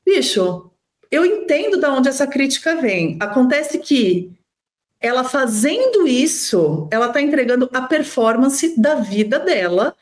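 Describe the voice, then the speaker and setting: A Brazilian woman with a fairly high voice hosts a casual chat show. She gives her opinions with emphasis, in slangy everyday language, and swears freely. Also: sing-song, unhurried. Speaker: podcast host.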